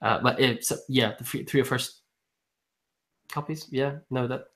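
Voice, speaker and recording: Male book-channel host, average pitch, halting and chatty, chuckles often. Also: fairly even intonation, a bit bright. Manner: hesitant, many ums and restarts; laughs often while talking. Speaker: booktube host. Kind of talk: casual live-stream book chat.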